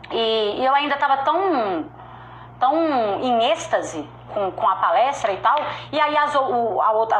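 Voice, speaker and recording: A fairly high-voiced woman with a strong regional Brazilian accent drives home a motivational sales talk, emphatic and direct. Her voice rings out in an echoey room, with faint ambience behind her. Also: a little hiss or hum. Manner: emphatic, direct, repeats key points. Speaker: sales speaker.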